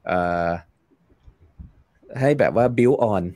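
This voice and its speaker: A man's voice: medium pitch, drawn-out words, a little mellow, dry recording. A man speaking as a guest in a casual interview, explaining at length with frequent fillers and repeated words. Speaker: guest commentator.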